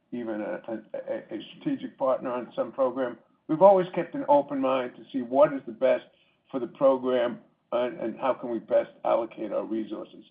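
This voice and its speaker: A man speaking as a company executive on an earnings call, answering haltingly with repeated words. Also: mid-range voice, vocal fry. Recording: muffled phone-line conference call audio.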